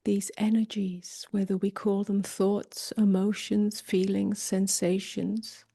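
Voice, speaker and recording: Slow, breathy woman guiding meditation. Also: mid-range voice, flat delivery, dry recording, studio quality. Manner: soft, breathy delivery drifting toward a whisper; gentle, unhurried, with long pauses. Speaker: meditation teacher. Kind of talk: guided meditation.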